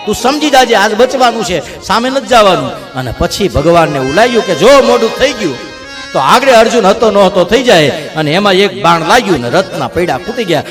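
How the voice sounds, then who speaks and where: A man's voice: high voice, big pitch swings, a little fast, music in the background. A man giving a devotional katha sermon, telling the story dramatically and acting out the quotes. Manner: dramatic storytelling with acted quotes and brief sung lines.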